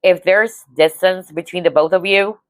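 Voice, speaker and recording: A woman's voice: lowish voice, steady tone, moderate pace, dry recording. A woman giving a casual tarot reading to viewers, chatty and reassuring, often checking in with "okay?". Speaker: tarot reader.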